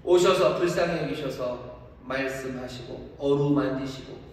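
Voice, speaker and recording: A male pastor preaching a sermon, emphatic, with rhetorical questions and shifts between loud and soft. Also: mid-range voice, a little slow, slight background noise. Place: large church sanctuary. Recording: echoey church hall, voice from far off.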